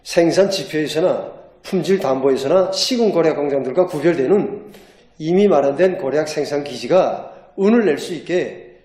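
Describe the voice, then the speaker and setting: A man's voice: fairly high pitch, lively intonation, normal speed, mellow. A man with a North Korean accent giving a formal interview statement. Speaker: official interviewed. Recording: echoey room.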